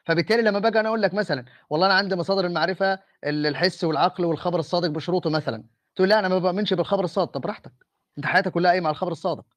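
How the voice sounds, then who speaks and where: An Egyptian man arguing for his faith in an online voice-room debate, talking softly and patiently, often stopping to ask for patience. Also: high voice, no room sound. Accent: Egyptian Arabic. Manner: measured, calls for patience, speaks softly. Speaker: Muslim debater.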